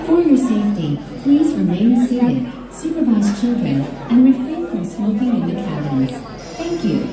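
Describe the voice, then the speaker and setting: A woman reading scripted safety announcements over a public address loudspeaker, in a calm and measured way. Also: a little high. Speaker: recorded gondola announcer. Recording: echoey loudspeaker from far off, crowd.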